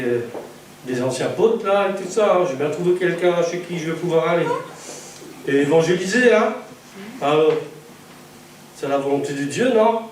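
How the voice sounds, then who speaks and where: Animated male preacher in an echoey church. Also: sits high, slight background noise. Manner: animated storyteller, acts out voices with laughter. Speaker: evangelist preacher. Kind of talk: sermon with personal testimony. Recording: echoey church hall from a distant mic.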